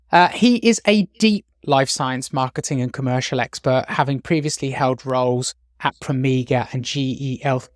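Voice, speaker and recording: A man's voice: mid-range voice, no room sound, clean studio sound. A man hosting a podcast, introducing and chatting with a guest in a friendly conversational style. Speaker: podcast host, marketing company chief executive.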